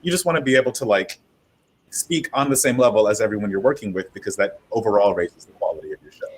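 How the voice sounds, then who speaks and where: A man speaking casually and a little ramblingly as a panelist in an online discussion, with a husky voice. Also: fairly low pitch, quick pace, rough recording. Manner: rambling, self-interrupting. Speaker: panelist, fiction podcaster.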